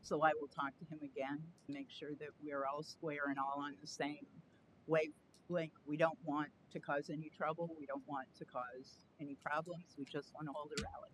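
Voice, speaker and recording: Brief: woman activist at council podium, eager and talkative, rumbly room noise. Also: level tone, normal speed. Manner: earnest, chatty, self-aware of loud voice. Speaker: activist presenting a request. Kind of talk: public comment at a county meeting. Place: county board meeting chamber.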